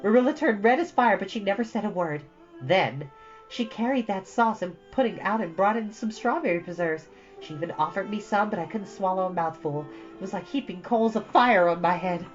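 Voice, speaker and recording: A woman's voice: medium pitch, animated, brisk, dull audio, soft background music, pitched above the performer's own voice, natural voice. A woman voicing an imaginative, dramatic young girl who talks in breathless run-on stories. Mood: rueful, dramatic. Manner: breathless, run-on storytelling, theatrical.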